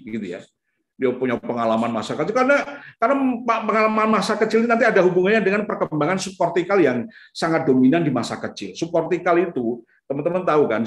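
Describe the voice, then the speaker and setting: In an echoey room, a man with a voice on the high side gives a casual seminar talk about the brain and parenting. He is conversational and full of fillers like "gitu ya," acting out parents and children in lively bursts.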